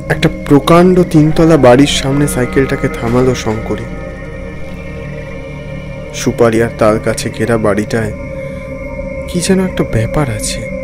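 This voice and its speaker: A man's voice: mid-range voice, rough recording. A man playing a nervous lawyer who narrates his own ghost encounter in a dramatic, suspenseful first-person style. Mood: hushed suspense. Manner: tense, suspenseful, stammering when frightened. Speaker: narrator and main character.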